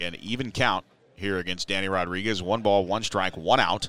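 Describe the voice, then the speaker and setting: At a moderate pace, a man speaks in a bright, sharp tone with fairly even intonation. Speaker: sports play-by-play announcer. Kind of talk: live sports commentary, play-by-play. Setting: press box at ballpark, streamed live.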